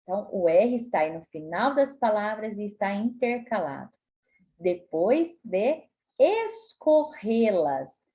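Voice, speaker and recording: A woman with a Brazilian Portuguese accent teaching a spelling lesson to children, explaining patiently and stretching words out slowly. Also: medium pitch, lively intonation, dark tone. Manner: slow, stretches words out syllable by syllable; frequent tag questions, patient explaining tone. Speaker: primary school teacher.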